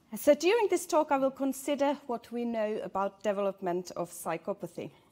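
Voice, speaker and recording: A woman speaks with a Finnish accent at a moderate pace. Her pitch swings very widely. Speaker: professor. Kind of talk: lecture.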